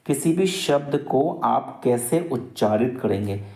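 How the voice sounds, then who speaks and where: A man's voice: mid-range voice, expressive, slow pace, warm tone, roomy sound. A male teacher giving an exam-prep lecture, explaining patiently with repeated examples and switching into English sentences. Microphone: microphone.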